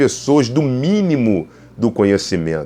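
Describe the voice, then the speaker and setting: A man's voice with very wide pitch swings. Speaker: preacher. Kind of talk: sermon.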